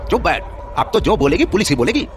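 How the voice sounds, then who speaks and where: A man's voice: sits high, very animated, fast, a bit bright, faint music behind. An actor playing a self-righteous village man in a horror audio drama, harsh and accusatory in his scolding. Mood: angry accusing. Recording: noisy crowd and street ambience behind.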